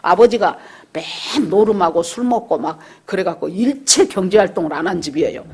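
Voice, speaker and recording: A woman's voice: fairly low pitch, animated, fairly quick, darkish tone, husky. A woman pastor preaching a sermon at a church service, telling stories and acting out the people in them. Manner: storytelling, acting out quoted dialogue.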